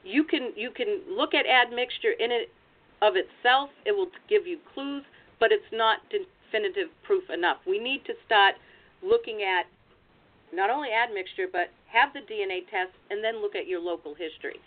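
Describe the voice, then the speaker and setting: A woman's voice: mid-range voice, normal speed. An American woman presenting as a genealogy researcher, giving practical advice in an explanatory webinar talk over a video call. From United States. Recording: tinny phone-like online call audio.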